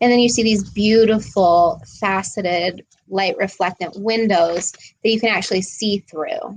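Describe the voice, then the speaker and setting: Enthusiastic and somewhat breathy, a woman speaks at a fairly slow pace with ordinary pitch variation. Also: medium pitch for a woman, hardly any pauses. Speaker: bead shop seller hosting a live sale. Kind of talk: live sales stream, product presentation. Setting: livestream video.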